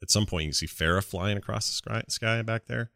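Deep-voiced man, bright and excited. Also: a little fast, vocal fry, dry recording, studio quality. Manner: animated storytelling with slangy asides. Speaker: podcast co-host. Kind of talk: casual enthusiastic gaming chat.

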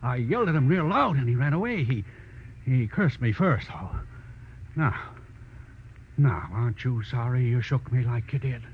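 A man's voice: mid-range voice, expressive, normal speed, long pauses, natural voice. An actor playing a nervous, chatty old man with a stammering, folksy manner in 1940s radio drama. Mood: folksy, knowing. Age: older. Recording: muffled, noisy old radio recording.

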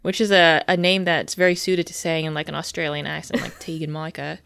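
A woman co-hosting a casual sports podcast, chatty with lively asides and fillers. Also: fairly low pitch, brisk, vocal fry, clear, resonant tone. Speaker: podcast co-host.

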